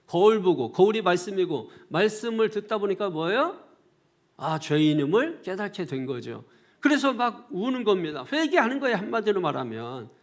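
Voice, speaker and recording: A middle-aged man preaching a sermon in a high-pitched voice. His delivery swings widely in pitch as he fires rhetorical questions at the congregation. He mixes folksy, conversational asides into the preaching. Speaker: senior pastor.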